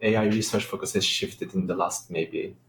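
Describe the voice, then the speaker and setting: A man in his thirties with a Turkish accent speaks in a measured way, pausing to find words. His voice sits fairly low. The room echoes, with a faint hiss behind. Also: fairly even intonation. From Turkey. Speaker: AI researcher. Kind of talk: interview guest, explaining.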